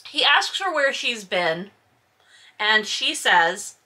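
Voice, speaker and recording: A woman's voice: a little high, very animated, slow, bright, forceful tone. A woman hosting a book read-aloud, breaking into casual, sarcastic and emphatic commentary with some swearing. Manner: sardonic, incredulous, emphatic.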